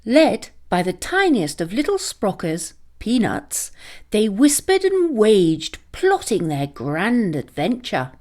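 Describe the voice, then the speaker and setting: A woman reading a scripted children's story aloud as a dramatic, expressive storyteller. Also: medium pitch, slow.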